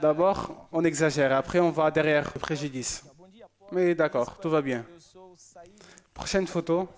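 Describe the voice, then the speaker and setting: Man, church show presenter, casual message reading, joking, slightly high voice. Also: unhurried. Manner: chatty and joking.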